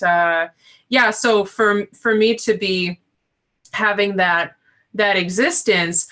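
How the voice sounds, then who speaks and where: A woman's voice: mid-range voice, sharp tone. A woman co-hosting a live spiritual talk stream, chatty and easygoing, with many fillers. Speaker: co-host.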